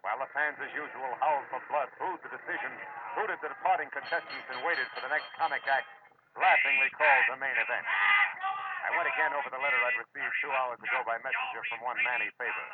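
An actor playing a wry, cynical private detective in a clipped, tough 1940s radio style. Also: male voice, mid-range voice, close to an everyday voice. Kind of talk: 1940s radio acting, scripted first-person narration. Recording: noisy, phone-like old radio recording.

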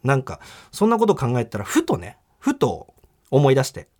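A man's voice: medium pitch, normal speed. A man hosting a radio talk show, telling a personal story in a casual way and acting out the voices of the people in it. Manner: animated storytelling, acts out quoted people. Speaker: comedian and radio show host. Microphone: studio microphone.

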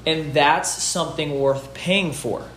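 A man's voice: fairly high pitch, takes it slowly, a bit bright. A man giving earnest, informal motivational advice to peers, emphatic and repeating his key phrases. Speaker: gym owner and fitness business host. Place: home gym outside, under a roof in a rainstorm. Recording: echoey room, rain noise on roof. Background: rain on the roof, storm.

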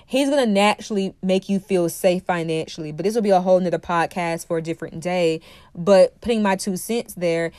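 Stuffy from a cold, a dating coach fronts her own podcast in a lowish, slightly mellow voice, recorded dry. Her solo monologue is opinionated, and she lectures forcefully while circling back to the same key phrases.

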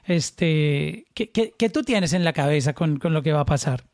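A man's voice: on the high side, animated, normal speed, darkish tone, dry recording, studio quality. A man from Colombia with a paisa accent, interviewing in a casual, chatty way and often repeating words as he starts a phrase.

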